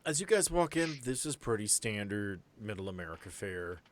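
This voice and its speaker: A man's voice: lowish voice, big pitch swings, normal speed, dry recording. A man improvising casual, descriptive narration as the game master of a tabletop game.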